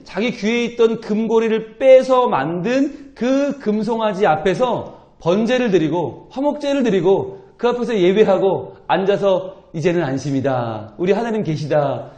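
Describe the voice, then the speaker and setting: Animated high-voiced male pastor, roomy church. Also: moderate pace. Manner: lively, colloquial, acts out scripture dialogue playfully. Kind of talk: sermon at an early-morning prayer service. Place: church sanctuary.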